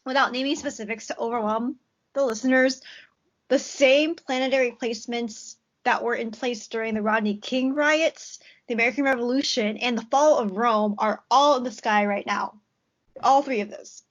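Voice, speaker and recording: A woman with a high, bright-sounding voice talks as a podcast guest. She speaks in animated, giggly bursts. The sound is muffled and lo-fi, like call audio. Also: moderate pace. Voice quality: high-pitched voice. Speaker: podcast guest, journalist and tarot reader. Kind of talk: casual chat over a call. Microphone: remote call audio.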